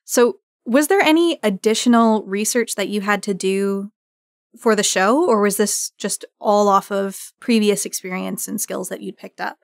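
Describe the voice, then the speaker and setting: A woman's voice: medium pitch, moderate pace, vocal fry, dry recording, clean studio sound. A woman hosting a casual roundtable chat and asking questions in a playful, teasing way. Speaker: interviewer, roundtable host.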